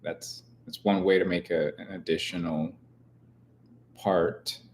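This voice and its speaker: A young man co-hosting a casual live chat, relaxed and easygoing, thinking aloud with lots of "I mean". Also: low-pitched, slow, slight background noise. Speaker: co-host, partner of the host.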